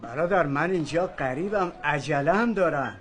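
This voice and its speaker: An actor playing a calm, fatherly old man with a white beard who settles a quarrel in a bazaar drama. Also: on the high side, a little hiss or hum. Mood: placating. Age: older. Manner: calm, placating.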